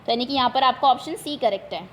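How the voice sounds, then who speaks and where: A woman's voice: high-pitched, fast, a little hiss or hum. A woman teacher going through exam questions one at a time, patiently repeating each term in plain Hindi. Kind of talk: explaining exam answers.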